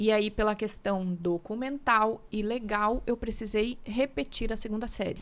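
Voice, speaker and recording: Her voice is an unremarkable speaking voice, as this woman talks at a fairly high pitch with fairly even intonation. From southern Brazil, southwest Paraná. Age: 30s. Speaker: physiotherapist. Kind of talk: interview.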